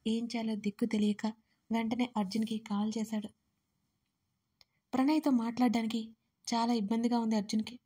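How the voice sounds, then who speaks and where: A woman narrating an audio story with expressive reading, speaking straight to her listeners. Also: on the high side, slightly rough.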